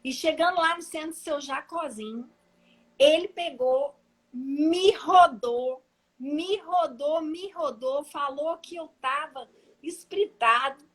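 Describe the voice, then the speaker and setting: A woman's voice: high-pitched, takes it slowly, pitched above the performer's own voice, poor audio. A woman retelling the story of a humble, flustered man who pleads for help, laughing as she goes. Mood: pleading.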